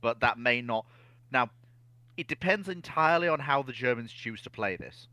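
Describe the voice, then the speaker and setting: A man's voice: medium pitch, animated, normal speed, bright, forceful tone, dry recording. A man on a discussion panel, talking history casually and building his argument step by step.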